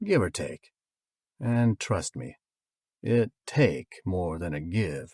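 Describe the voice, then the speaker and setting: A man puts on a character voice, guttural and sing-song, with a very deep, low pitch. He speaks at a very slow pace with long, frequent pauses, and the sound is dry and close with no echo. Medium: read story. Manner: folksy, sing-song, easygoing.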